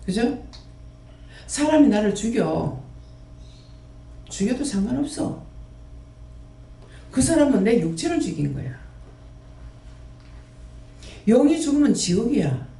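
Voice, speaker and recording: A man's voice: very high-pitched, sing-song, measured pace, creaky, pauses often, warm tone. A man who runs a prayer house, preaching a sermon and scolding his listeners with one rhetorical question after another. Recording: roomy echo, mic at a distance.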